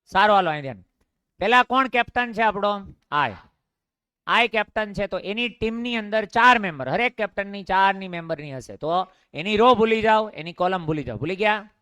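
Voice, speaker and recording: A man teaches physics with a Gujarati accent, asking the class each question and then supplying the answer himself. His voice sits a little high and sounds smooth and resonant. The recording is dry and close, with no room echo. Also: expressive, fairly quick, bright, forceful tone. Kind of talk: classroom lecture with call-and-response questions.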